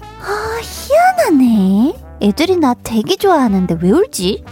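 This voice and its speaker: Bubbly young woman cooing over a child in a radio comedy sketch, as a woman plays her, high and sing-song, with music faintly behind. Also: huge pitch swings, measured pace, dark tone, full character voice. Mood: puzzled.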